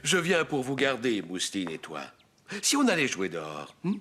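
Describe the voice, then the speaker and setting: A friendly, elderly cartoon grandfather. His intonation rises and falls in a lively way, and loud music plays behind him. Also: medium pitch, normal speed.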